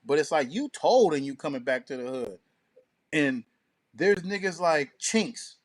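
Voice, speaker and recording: Slightly high-voiced man in slangy casual talk. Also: very animated, measured pace. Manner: slangy, profane, emphatic street talk. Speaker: radio show co-host. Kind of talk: casual opinionated chat.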